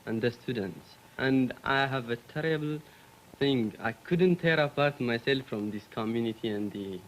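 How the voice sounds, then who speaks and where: A teenage young man with an Ethiopian accent speaks at an average pitch. He talks earnestly on a student panel, pausing with fillers and halting over his words. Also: slight background noise, low-quality recording. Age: late teens.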